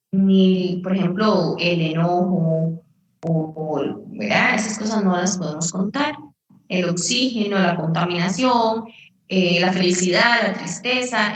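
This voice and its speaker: This English teacher has a medium-pitched, slightly bright voice, with a little hiss or hum in the audio. She patiently explains the material, repeats herself and questions the class, while the distant mic picks up plenty of room echo.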